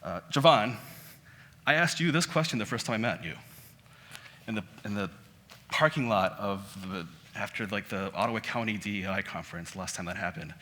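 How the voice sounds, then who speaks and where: Korean-born man, 30s, guest lecturer, casual and rambling, bright tone, long hall reverb. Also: fairly low pitch, normal speed. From South Korea. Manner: conversational, self-deprecating, many restarts. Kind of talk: public lecture. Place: auditorium.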